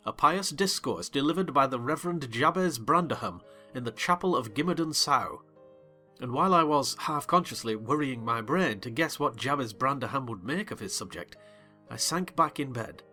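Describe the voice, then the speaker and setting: A man narrating as a genteel gentleman in measured, wry first-person storytelling. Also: medium pitch. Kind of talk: dramatized audiobook narration.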